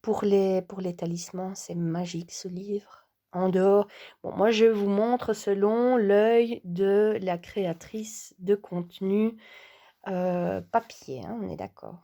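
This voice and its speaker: A woman chats casually to camera. Her voice is mellow and warm, at a middling pitch for a woman. She talks hesitantly, with many fillers, and slips into whispers at times. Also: level tone, takes it slowly. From Belgium. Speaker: vlogger and sophrology coach.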